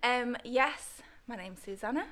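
A woman's voice: on the high side, a little slow, a bit bright. A woman guest on a casual Christian podcast, talking in an enthusiastic, playful way. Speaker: podcast guest, social worker.

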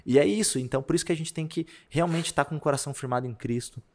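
A man's voice: on the high side, racing. A young man, a podcast co-host telling a personal story in casual chat, acting out the dialogue with lots of slang. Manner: animated storyteller, acts out dialogue with shifting voices, peppers speech with slang.

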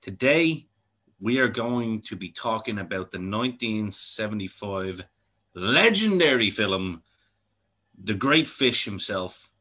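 Male podcast host, casual and sweary, low voice with a bright edge. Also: animated, slow. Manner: chatty, swearing, laughs easily. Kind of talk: casual film chat.

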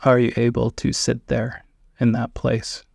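A man guiding a meditation, giving gentle invitations with long pauses between phrases. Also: medium pitch, monotone, creaky, dry recording, clean studio sound. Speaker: meditation guide. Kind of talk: guided meditation.

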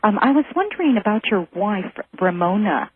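A woman's voice: mid-range voice, big pitch swings, moderate pace. A woman calling a radio show, chatty and curious, with many ums between her questions. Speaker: caller. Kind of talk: call-in chat. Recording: phone line with faint hiss.

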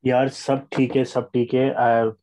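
Man, South Asian accent, podcast co-host, soft dark tone, casual sports chat, some language mixing. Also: medium pitch, little pitch movement, racing. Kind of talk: casual sports discussion mixing in Hindi-Urdu.

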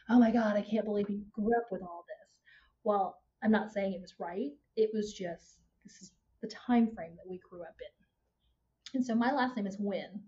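A woman in her forties with a Texas twang, talking frankly and chattily as a guest in a casual interview. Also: medium pitch. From Houston, Texas, born in Vietnam. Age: 40s. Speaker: podcast guest. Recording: muffled with steady background noise.

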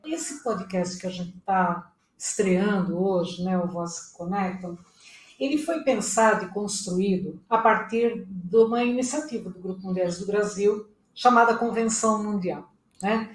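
Brief: woman podcast host, mid-pitched voice, roomy sound with faint background noise. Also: measured pace. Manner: brief encouraging interjections. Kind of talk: casual interview. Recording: echoey room with faint noise.

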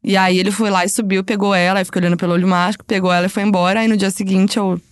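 A woman with a Brazilian accent chatting casually, expressive and quick with exclamations. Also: medium pitch, clear, resonant tone, no echo, studio quality. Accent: Brazilian Portuguese. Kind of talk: casual storytelling chat.

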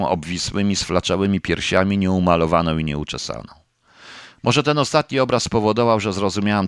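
A man reading a first-person novel aloud as an audiobook, in a measured, subdued way. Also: sits low, no room sound, clean studio sound. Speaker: audiobook narrator.

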